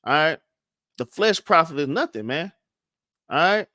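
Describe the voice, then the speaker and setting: Casual Southern preacher, dry close mic. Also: male voice, a little high, animated, a little slow, bright, forceful tone, dry recording. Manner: casual, says "man" and "all right?" constantly; stutters and restarts. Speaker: bible class teacher. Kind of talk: casual scripture lesson.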